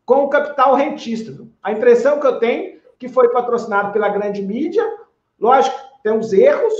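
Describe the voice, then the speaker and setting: A man with a very high voice explains his views in a measured way and keeps checking in with his listener. The sound is roomy, with a strong echo. It is dull and lo-fi, as if it came over a remote link. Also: animated. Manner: measured, explanatory, with frequent tag questions. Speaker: federal deputy, guest. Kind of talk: political conversation. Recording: echoey, dull lo-fi remote audio.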